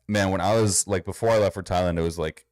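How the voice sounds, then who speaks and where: A man's voice: low voice, steady tone, quick pace, a little mellow, dry recording, studio quality. A man with a Minnesotan accent, a fitness coach giving blunt, sarcastic reaction commentary and swearing freely.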